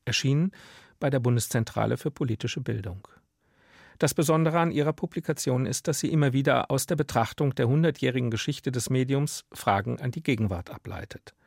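A male radio host moderates a studio discussion from prepared text. His voice sits mid-range with a noticeable creak, and his phrasing is formal and measured. The sound is dry and close. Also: mid-range voice, a little mellow, no echo. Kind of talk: scripted studio interview moderation.

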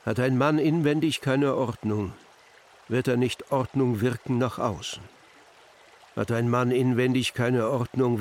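An actor playing Confucius as a stern old sage, measured, didactic and solemn, in a literary radio drama. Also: male voice, mid-range voice, a little hiss or hum. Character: Confucius, stern old Chinese sage teaching his disciples.

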